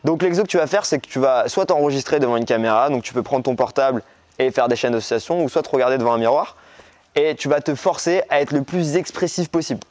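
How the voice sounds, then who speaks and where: A young man from Morocco teaches a casual coaching lesson straight to the viewer. His delivery is lively and expressive, rushing through filler and leaning hard on important words, with a mid-range voice. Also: mid-range voice, no echo. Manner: lively, expressive, speeds up and slows down for emphasis. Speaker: dating coach.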